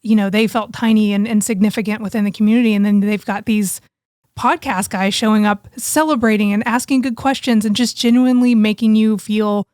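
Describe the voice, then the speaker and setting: A woman co-hosts a podcast, sharing personal stories in an informal, chatty style. Her pitch is average for a woman. She is recorded close up with a dry, roomless sound. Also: fairly even intonation, brisk, a little mellow, no room sound. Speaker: podcast co-host. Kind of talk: casual chat, personal storytelling.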